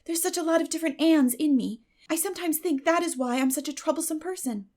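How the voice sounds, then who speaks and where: Woman voicing a gushing, high-pitched dreamy schoolgirl. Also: fast, a little mellow, close to an everyday voice. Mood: earnest. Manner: effusive, earnest, theatrical. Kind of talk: dramatic audiobook character voice.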